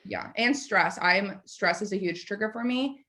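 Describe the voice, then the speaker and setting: A woman in her late twenties, a podcast guest, telling a story in a chatty, animated way and filling her speech with "like.". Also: medium pitch, a little slow. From United States. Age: 20s. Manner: chatty, animated, lots of "like" fillers. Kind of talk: casual storytelling.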